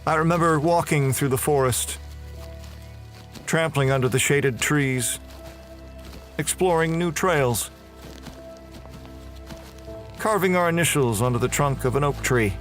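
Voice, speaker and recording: An actor playing a tormented, damned murderer, delivering a brooding first-person horror audio drama monologue. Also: male voice, a little high, unhurried, long pauses, natural voice. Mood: cold, brooding. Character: damned male murderer prisoner, tormented, confessing in hell. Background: music.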